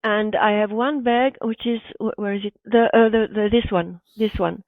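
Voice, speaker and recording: A woman's voice: mid-range voice, normal speed, no room sound. A woman guest on a podcast, answering enthusiastically in short, emphatic phrases over a remote call. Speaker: guest, artist and bag designer. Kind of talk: interview answers. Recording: tinny dry call audio.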